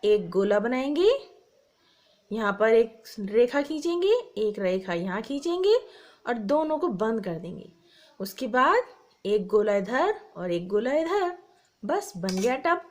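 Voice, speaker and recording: A woman teacher giving a slow, patient primary school Hindi lesson, spelling words out letter by letter. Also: a little high.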